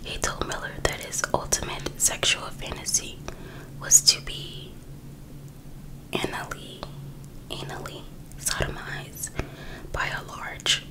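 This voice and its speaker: A woman reads aloud in an unvoiced, breathy ASMR whisper, in an informal, casual way. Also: takes it slowly, pauses often, poor audio. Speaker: ASMR host reading a true crime book.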